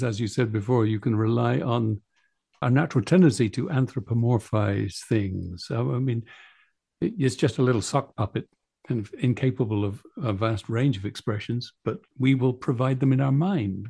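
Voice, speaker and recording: A man interviewing a puppeteer, asking thoughtful questions in a measured, reflective manner. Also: medium pitch, gravelly, mellow, slightly rough.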